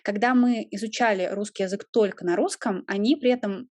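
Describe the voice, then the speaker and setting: A young woman talks through her ideas on teaching, steady and explanatory, filling pauses with soft hesitations. Her voice sits at an ordinary middle pitch. The recording is dry and close, with no room sound. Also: no echo. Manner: thoughtful, explanatory, with frequent hesitations. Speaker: guest, Russian teacher. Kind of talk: conversational interview.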